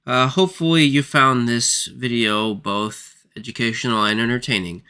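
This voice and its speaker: A man who is sick and losing his voice, working through textbook math problems aloud in a halting, apologetic way. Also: mid-range voice, steady tone, sharp tone, clean tone. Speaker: math tutor.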